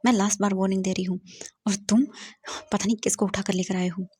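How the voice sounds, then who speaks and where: A woman's voice: mid-range voice, steady tone, fast talker, darkish tone, slightly rough, lightly acted. Woman playing a scolding stern mother. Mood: angry.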